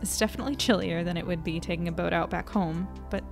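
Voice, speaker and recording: A woman's voice: on the low side, steady tone, fast talker, gravelly, over music. A woman playing a curious, self-doubting young journalist in an audio drama, earnest and conversational. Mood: reflective. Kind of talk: audio drama acting and diary narration.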